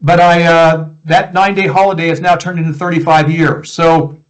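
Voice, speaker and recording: A man in his sixties with an American Midwest accent, a guest coach answering interview questions in a relaxed, reflective way over a video call. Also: a little high, moderate pace, poor audio. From United States, Iowa. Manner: relaxed, reflective, with frequent restarts.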